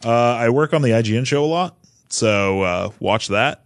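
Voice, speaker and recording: A man chats casually on a podcast panel, joking at his own expense. His mid-range voice moves up and down a lot in pitch. The recording is dry and free of room sound. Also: lively intonation, moderate pace, no room sound. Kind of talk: casual banter.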